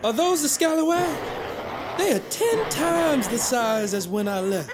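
A man's voice: very high voice, animated, unhurried, noisy background. An actor in an audio drama playing a mercurial male sorcerer who gives orders in a commanding, fussy way. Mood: amazed.

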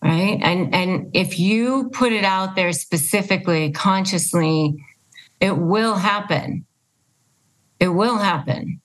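A woman's voice: on the low side, slow pace, low-quality recording. A woman hosting a casual conversational interview, speaking emphatically and repeating her points for stress. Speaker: podcast host and interviewer.

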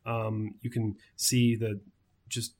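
A man talking casually as a guest about his audio drama, plain and relaxed, with frequent fillers. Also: lowish voice, slow, slight background noise. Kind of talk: casual podcast interview.

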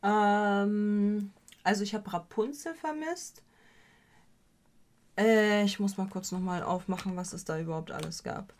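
A woman's voice: medium pitch, a little slow. A woman hosting a podcast, chatting casually with lots of fillers and self-corrections, dropping English slang into her talk. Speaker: podcast host. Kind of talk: casual chat.

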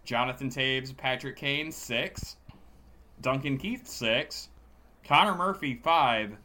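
A man's voice: medium pitch, slow, sharp tone. A hungover man co-hosting a casual sports podcast, talking in a dry, sardonic way. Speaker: podcast host.

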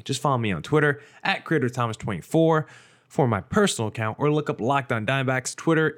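A young man hosts a solo sports podcast, a touch hoarse from yelling the night before. He speaks at a mid pitch, talking with excitement and filling his sentences with "like" and "I mean.". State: slightly hoarse from screaming. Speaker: podcast host.

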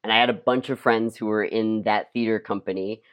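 Actor as interview guest, medium-pitched voice, loose conversational delivery with halting phrases and frequent "like". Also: steady tone, clean tone. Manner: halting, peppers speech with "like". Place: at home, remote session.

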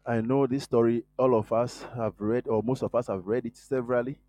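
A man preaching a sermon while hoarse from a cold, earnest and prayerful, growing more fervent as he prays. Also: medium pitch, steady tone, fairly quick, mellow, no room sound, faint music behind. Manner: earnest, prayerful, rising in fervor. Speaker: guest preacher.

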